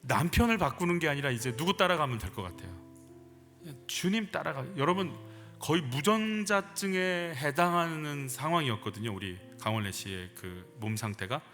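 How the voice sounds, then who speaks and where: A male pastor preaches with a lively, swooping delivery, acting out the voices in his story. His voice rings through a church with a long echo, and soft instrumental music plays faintly underneath. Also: on the high side, normal speed. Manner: animated storytelling, acting out quoted dialogue. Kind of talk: sermon. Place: church sanctuary. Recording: church hall reverb with music behind.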